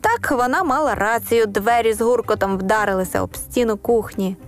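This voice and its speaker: A woman tells a children's story for a radio program, her voice sitting a little high. She narrates with expression and slips into the characters' lines. Faint music plays underneath. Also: normal speed.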